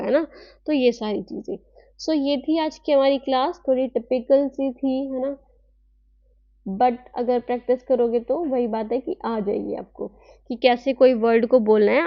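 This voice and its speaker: Female online teacher, high voice, dry and dull lo-fi audio, patient explainer. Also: dry recording. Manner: explains slowly, reads English lines then explains in Hindi; asks rhetorical questions, tag "है ना". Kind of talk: online class lecture.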